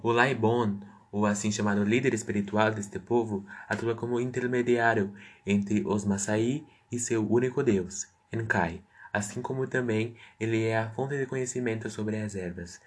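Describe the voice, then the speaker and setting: A man's voice: lowish voice, fairly even intonation, moderate pace, hardly any pauses. Man reading prepared interview answers. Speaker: interview guest.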